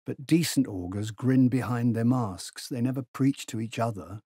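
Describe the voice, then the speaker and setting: A man voicing a contemptuous, combative English gentleman in a novel, speaking bluntly and emphatically. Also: medium pitch, moderate pace, slightly rough, no echo, clean studio sound, lightly acted. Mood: blunt, scornful.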